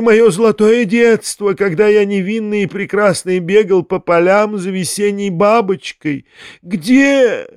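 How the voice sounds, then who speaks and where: A theatrical, self-pitying man wails his questions in a high, drawn-out voice. He declaims slowly as if in a fever. The audiobook recording is dry and close. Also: no room sound. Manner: slow wailing declamation, shouts rhetorical questions. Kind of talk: audiobook character reading.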